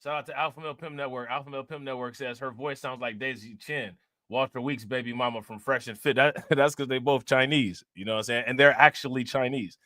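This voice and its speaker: A man's voice: medium pitch, steady tone, fast talker, no room sound, clean studio sound. A man hosting a livestream, casually reacting to a news clip, joking, laughing and reading out chat comments. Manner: joking, laughing, repeats himself, reads chat shout-outs.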